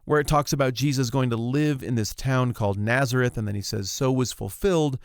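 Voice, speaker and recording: A male podcast host talks with energy and self-deprecating humor, summing up points quickly. His voice is mid-pitched, and the recording is close and dry. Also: clean tone, dry recording. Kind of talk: casual podcast chat and summary.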